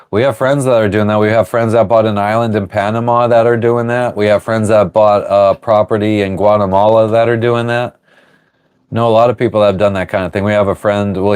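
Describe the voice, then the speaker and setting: A man hosting a casual livestream from his sailboat, reading viewer comments aloud and rambling through relaxed answers. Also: lowish voice, clear, resonant tone. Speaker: livestream host answering chat. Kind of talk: casual live chat. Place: on board a sailboat.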